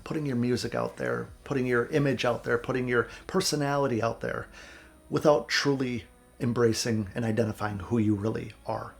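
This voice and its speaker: A man in his thirties from central Wisconsin, a music producer giving earnest, candid motivational advice to camera, raspy and stuffed up with a cold. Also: mid-range voice, darkish tone. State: sick with a cold, stuffy nose. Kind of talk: vlog advice talk to camera.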